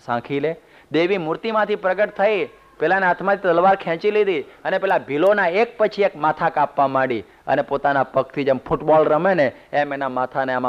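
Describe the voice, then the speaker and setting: Male monk, sermon delivery, folksy storyteller, smooth clear tone, muffled lo-fi recording. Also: mid-range voice. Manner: storytelling, homely humorous asides. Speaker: monk giving a religious discourse. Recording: dull lo-fi CD recording.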